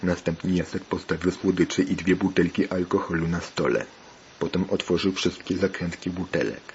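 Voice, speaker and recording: A man narrating a children's story in a flat, even reading. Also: deep voice, normal speed, lo-fi sound, a little hiss or hum.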